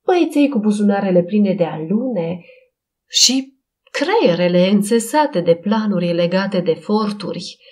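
A woman reads a Christian audiobook aloud in a steady, expressive narrating voice. Her pitch sits in the middle range for a woman. The delivery is scripted and evenly paced.

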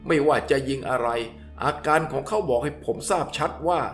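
A man reading a scripted story in a steady, descriptive way, as the storyteller. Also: a little high, brisk, soft background music.

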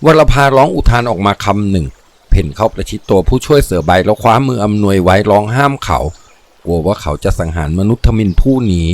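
A man narrating a crime adventure novel in a steady, vivid storytelling voice. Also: on the low side, a little fast. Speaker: audiobook narrator. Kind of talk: dramatic audiobook reading.

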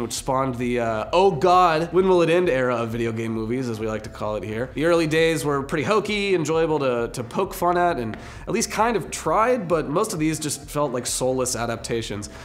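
A man's voice: mid-range voice, a bit bright. A young man co-hosting a scripted comedy explainer in a small studio, jokey and playful with exclaimed bits. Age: young adult. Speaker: co-host.

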